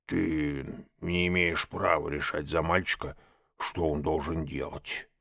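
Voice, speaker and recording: A man voicing a slow, easygoing male bear in an audiobook, mumbling hesitantly with drawn-out fillers. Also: a bass voice, flat delivery, sharp tone, dry recording, studio quality, voice pushed down, exaggerated voice. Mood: mumbling, placid. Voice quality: gravelly, husky. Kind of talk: audiobook character voice.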